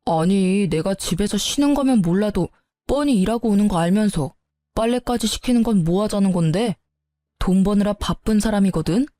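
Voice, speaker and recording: A woman's voice: medium pitch, warm tone, no echo, close to an everyday voice. A woman voicing a resentful young husband who argues back with sneering, defensive retorts in a storybook narration. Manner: argumentative, sneering.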